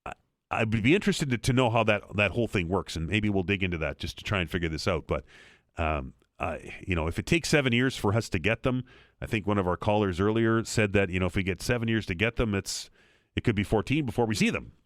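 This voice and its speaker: A man's voice: lowish voice, expressive, fast talker, no room sound, clean studio sound. A man hosting a call-in radio talk show, talking conversationally with frequent restarts, recovering from a slight cold.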